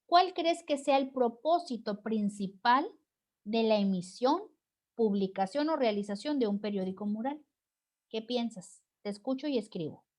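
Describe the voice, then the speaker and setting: Teacher: woman, fairly high voice, encouraging, leads an online class over a video call. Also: expressive, normal speed, a little mellow. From Mexico. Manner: encouraging, frequent "¿verdad?" tag questions.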